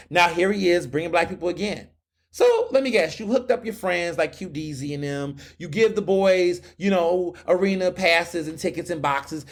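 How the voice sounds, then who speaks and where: A young man from Houston hosting his podcast, ranting in a fiery, sarcastic monologue full of rhetorical questions. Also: sits high. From Houston, Texas. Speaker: podcast host. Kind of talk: opinion monologue.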